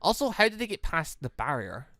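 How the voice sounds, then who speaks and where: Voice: mid-range voice, big pitch swings, a little fast, pushed and bright, dry recording, studio quality. A game streamer voicing an earnest, candid young man in a visual novel, with a casual, wry manner. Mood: puzzled.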